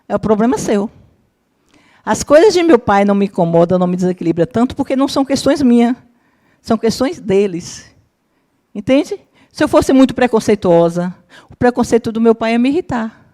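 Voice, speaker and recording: A woman around fifty, a psychologist teaching a spiritist course, tells personal family stories to a live audience, keeps asking whether they follow, and acts out what her relatives said. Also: fairly high pitch. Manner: lively, keeps checking in with listeners, acts out quoted family members. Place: lecture room with a live audience.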